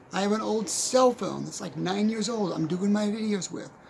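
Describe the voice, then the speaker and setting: With noticeable noise behind him, a high-pitched man speaks, his pitch rising and falling in an ordinary way. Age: 70s. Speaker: motivational YouTuber and author. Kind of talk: motivational talk to camera. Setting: hot room at home, windows open. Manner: stuttering and slurring words; animated.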